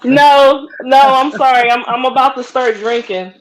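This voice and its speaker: A woman co-hosting a podcast, reacting with brief remarks and loud laughs. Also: high-pitched, fairly even intonation, a little slow, very noisy.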